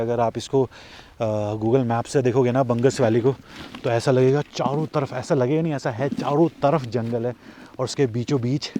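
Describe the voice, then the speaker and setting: A man's voice: mid-range voice, dark tone, slight background noise, rough recording. Chatty Indian man vlogging outdoors. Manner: chatty, mixes Hindi with English phrases. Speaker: motorcycle travel vlogger. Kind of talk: casual vlog chat. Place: outdoors in a mountain valley. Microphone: camera's built-in mic after the mic battery died.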